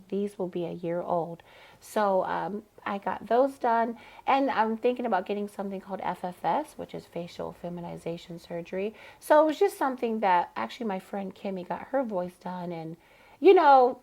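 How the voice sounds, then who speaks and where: A trans woman drag queen chatting expressively as a podcast guest, her voice turning nasal when she gets excited. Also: medium pitch, moderate pace, gravelly. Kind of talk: casual podcast conversation.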